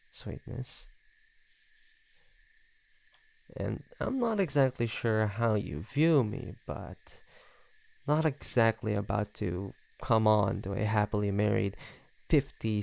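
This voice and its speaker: Man voicing a smug, creaky low-voiced flirty vampire. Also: a little mellow. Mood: teasing, flirtatious. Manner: teasing, smug, sardonic. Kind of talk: scripted audio roleplay addressed to the listener.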